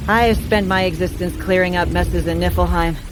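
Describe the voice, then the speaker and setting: An actress playing a world-weary, evasive underworld dweller in an audio drama, with a dry, sardonic and understated manner. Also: female voice, lowish voice, fairly even intonation, normal speed, over music, natural voice, rough recording. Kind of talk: scripted audio drama acting.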